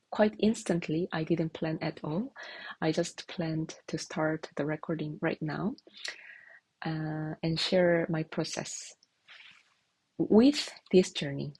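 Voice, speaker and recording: A woman in her thirties whose first language is Korean, a software engineer talking through her development process in a halting, hesitant way. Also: on the low side, slightly rough, dry recording, rough recording. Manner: hesitant, halting, restarts often. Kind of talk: casual devlog narration.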